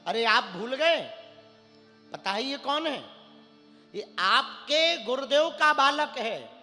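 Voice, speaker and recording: A grieving queen mother pleads through tears, her voice dropping low and soft, as a male preacher puts her on. The hall rings with a long echo and faint music sits beneath. It moves slowly. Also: lively intonation, exaggerated voice. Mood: urging.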